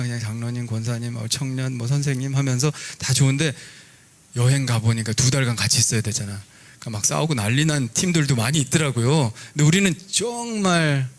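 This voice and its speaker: A middle-aged man, a pastor, preaching a sermon in a relaxed, conversational storytelling way with lively asides. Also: mid-range voice.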